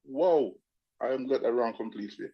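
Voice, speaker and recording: A Jamaican man whose accent carries some British influence calls in to a radio show over a phone line, chatting casually, offering opinions, and stammering into restarts. His voice is mid-range and slightly rough at a moderate pace, with the highs cut off.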